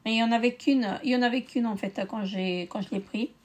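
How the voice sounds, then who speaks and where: A woman's voice: a little high, fairly quick. Tired woman with hesitant chat. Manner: hesitant, many euh fillers. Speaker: beauty vlogger. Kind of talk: casual haul video.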